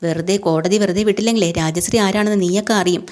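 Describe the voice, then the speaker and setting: A woman voicing a spiteful, vengeful older aunt who threatens and curses at a fast clip. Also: medium pitch, a little mellow, lightly acted. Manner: cursing, threatening.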